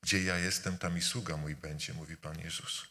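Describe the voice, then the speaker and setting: A man with a fairly low but bright, forceful voice delivers a sermon in a church. He builds his points through repetition, swinging between loud appeals and hushed words. The long reverb of the church hall trails after each phrase. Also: steady tone, moderate pace. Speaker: preacher. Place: church during a service.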